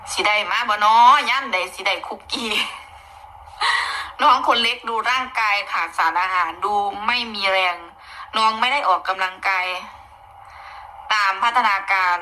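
Woman, Isan accent, gossip commentator, bright fairly high voice, chatty and opinionated, faint noise behind. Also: rough recording. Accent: Isan (Northeastern Thai). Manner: chatty, opinionated, mixing in Isan dialect, bursts of exclaiming. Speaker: online commentator.

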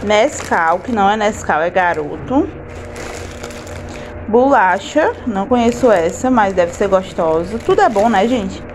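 Unpacking groceries in her kitchen at home, a Fortaleza-born family vlogger in her twenties talks into her handheld phone camera, chatty and naming items one by one. She sounds animated yet unhurried, with a medium pitch. The clip is noisy, with a washing machine running in the house.

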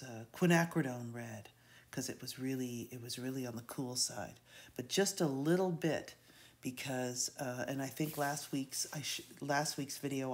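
Very deep, slow-paced woman, congested from a cold, rambling art-tutorial voice-over with lots of ums. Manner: rambling, hesitant, many fillers. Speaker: art instructor. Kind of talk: unscripted painting tutorial voice-over.

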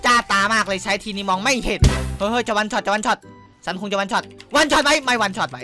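A young man giving excited, crude gameplay commentary as a streamer, boasting and shouting at opponents. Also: high-pitched, fast talker. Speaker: gaming streamer. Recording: music heard clearly behind the voice. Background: game music.

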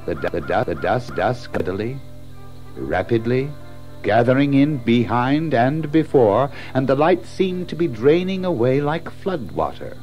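A man narrates a storybook with theatrical suspense. His medium-pitched voice rises and falls widely, with faint music underneath. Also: very animated, measured pace, darkish tone, poor audio. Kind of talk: dramatic scripted storytelling.

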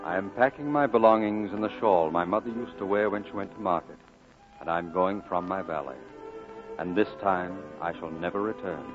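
A man's voice: low-pitched, normal speed, lightly acted. An actor playing a nostalgic old Welsh man, lyrically narrating his boyhood in a 1940s radio drama. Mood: wistful resolve. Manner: lyrical, wistful storytelling. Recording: narrowband old radio broadcast with music.

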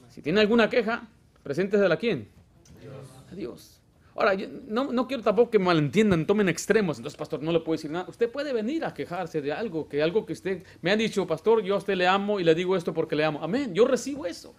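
A man preaching a Baptist sermon as pastor, asking the congregation questions and swinging from loud exhortation to quiet asides. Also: sits high. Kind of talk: Spanish-language Baptist sermon. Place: church sanctuary.

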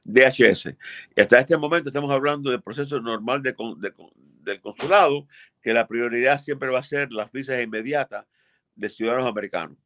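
An older man who practices immigration law answers viewer questions over a video call from his home office, where framed pictures hang. He is emphatic and blunt, repeating points for stress, in a medium-pitched, slightly fast, somewhat bright voice with a bit of hiss or hum.

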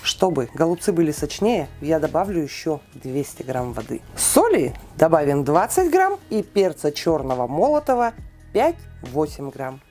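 A woman giving a calm, precise step-by-step cooking voice-over, listing weights and steps, with soft music behind her. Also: low-pitched, normal speed. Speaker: cooking channel host.

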